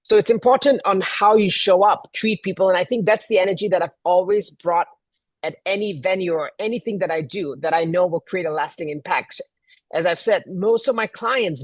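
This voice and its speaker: A man's voice: high voice, no echo. A middle-aged man from Malaysia, a guest event planner, talking casually with many ums and restarts. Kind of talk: casual interview talk.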